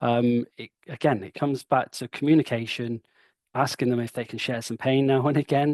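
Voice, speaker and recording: A man's medium-pitched voice with an English accent and fairly even intonation, dry and close with no echo against a quiet background. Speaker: performance coach, presenter. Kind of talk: webinar Q&A. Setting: online webinar. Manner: casual, hesitant with many fillers.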